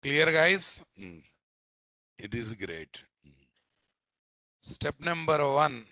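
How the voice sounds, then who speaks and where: A man's voice: fairly high pitch, sing-song, very slow, pushed and bright, dry recording. A man with a Telugu Indian accent teaching a live programming class, speaking emphatically, repeating phrases and often quizzing his listeners with short tag questions. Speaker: software instructor.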